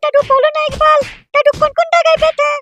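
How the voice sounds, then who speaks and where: A very high, piping little boy acted out by a woman from a comedy cartoon. He is cheeky and impatient, whining and rattling his words out fast, with music underneath. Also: level tone, fairly bright tone. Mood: mock-sweet.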